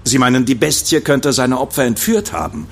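A skeptical male colleague in a horror radio play. His mid-pitched voice swings in lively fashion as he muses and speculates. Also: a little fast, slight background noise. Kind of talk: German horror audio drama acting.

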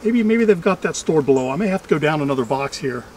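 A man's voice: fairly high pitch, lively intonation, quick pace, darkish tone, a little hiss or hum. A middle-aged man giving casual running commentary as a beekeeping vlog host, chatty with dry humor, recorded outdoors. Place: outdoors among trees at beehives.

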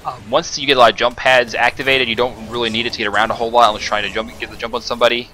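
A man's voice: mid-range voice, flat delivery, very fast, bright, forceful tone, slight background noise. A man giving casual, rambling commentary over his own gameplay footage, with many fillers and restarts. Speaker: gaming commentator.

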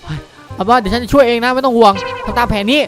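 A male gaming YouTuber talks very quickly in an excitable, improvised style. He repeats phrases as he leads the roleplay and chats to viewers, with soft music behind him. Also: very high-pitched. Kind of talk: excitable improvised Minecraft roleplay and outro chat.

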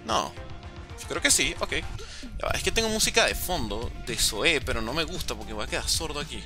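A young man doing animated gameplay commentary, talking straight to his viewers. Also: on the high side, moderate pace. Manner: animated, excitable, talks to viewers. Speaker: gaming YouTuber. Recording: game music behind voice.

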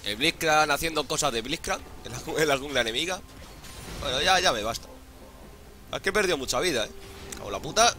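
Male gaming YouTuber, Spain accent: higher-pitched, sharp bright voice, hungover, sweary and joking, music underneath. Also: lively intonation, brisk, pauses often. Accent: Spanish (Spain). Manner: crude, jokey, profane slang. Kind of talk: casual gameplay commentary.

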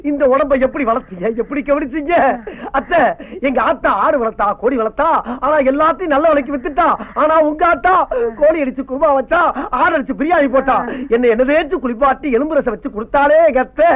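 Comic lead: a shrill, fast-talking, melodramatic village husband. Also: male voice. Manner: loud, melodramatic wailing and ranting. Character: comic grumbling village husband, fake-grieving son-in-law. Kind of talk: 1990s film comedy acting. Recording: dull lo-fi film soundtrack.

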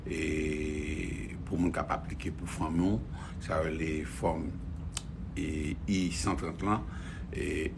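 Gravelly low-voiced Haitian man. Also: background noise. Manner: rambling, repeats phrases, many fillers. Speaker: news commentator. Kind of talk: casual news commentary.

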